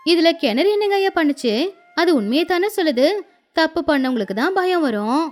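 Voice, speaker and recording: Woman narrator putting on a village busybody for a moral tale. High-pitched, insistent, dramatic rumour-monger, over music. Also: expressive, normal speed. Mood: defiant. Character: gossiping, meddling village woman spreading rumours. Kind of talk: acted moral-story dialogue.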